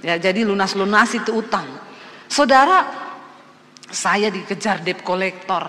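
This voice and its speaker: A woman pastor with an Indonesian accent preaches and tells her own story, with expressive swings in energy. Her voice is bright and cutting, and it carries a long reverb from a large church hall. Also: medium pitch. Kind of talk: sermon with personal testimony.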